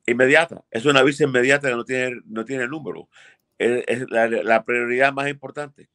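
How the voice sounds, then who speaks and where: A man's voice: mid-range voice, moderate pace, fairly bright tone, no room sound. Older male immigration lawyer, emphatic and blunt, dry webcam sound from a home office. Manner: emphatic, blunt, repeats for stress. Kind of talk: expert answering viewer questions. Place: home office with framed pictures.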